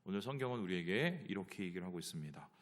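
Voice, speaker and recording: A man's voice: deep voice, lively intonation, rapid-fire. A male pastor preaching a sermon, asking the congregation rhetorical questions.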